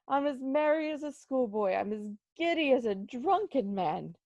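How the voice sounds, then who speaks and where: A woman's voice: high-pitched, lively intonation, normal speed, a little mellow, dry recording, muffled recording. A woman playing an old male miser, giddily reformed and penitent, in an amateur dramatic reading full of exclamations. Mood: giddy joy. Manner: exclamatory, effusive.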